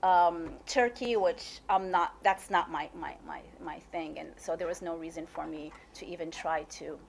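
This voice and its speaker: A woman answering audience questions after a talk, talking quickly with many restarts and "like". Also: lowish voice, steady tone, creaky, slight background noise. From United States. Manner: talks fast, with frequent restarts and "like". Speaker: guest speaker. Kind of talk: lecture Q&A answers. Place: lecture room.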